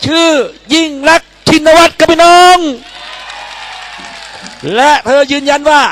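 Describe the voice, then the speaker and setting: A man's voice: extremely high pitch, fairly even intonation, measured pace, fairly bright tone, a faint crowd. A man speaking at a political rally, declaiming in short, emphatic phrases as he urges people to back a candidate. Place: public campaign rally in Thailand.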